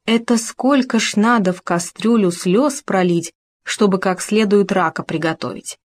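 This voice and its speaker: A woman narrating a children's story in a lively, expressive reading voice. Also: mid-range voice, a little slow.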